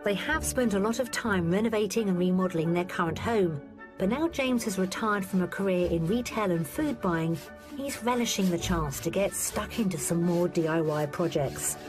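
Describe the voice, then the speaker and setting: A woman giving scripted voice-over narration for a property show in a smooth, even way. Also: fairly low pitch, normal speed, music in the background.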